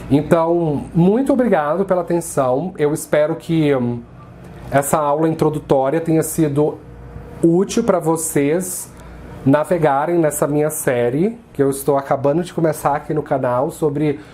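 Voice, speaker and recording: A man from Brazil teaching an introductory lesson, slowly spelling out words and drilling their pronunciation. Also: on the high side, warm tone, slight background noise. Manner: slow, careful pronunciation drills. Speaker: astrology teacher.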